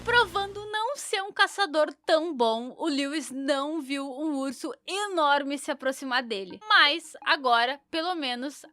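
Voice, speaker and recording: Bright, high-voiced young Brazilian woman. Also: dry recording. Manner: informal, opinionated asides. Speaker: YouTube commentator. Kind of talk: casual story recap commentary.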